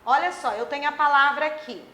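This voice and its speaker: A woman's voice: sits high, a little fast, sharp tone. A woman teaching a grammar lesson to children, acting out her pupils' questions herself. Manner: plays imagined pupils' questions.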